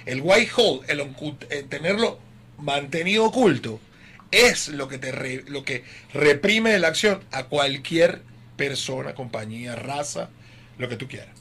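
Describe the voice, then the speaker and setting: High, bright-voiced man. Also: measured pace, husky. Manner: animated storyteller, acts out quoted voices. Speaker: guest. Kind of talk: casual chat.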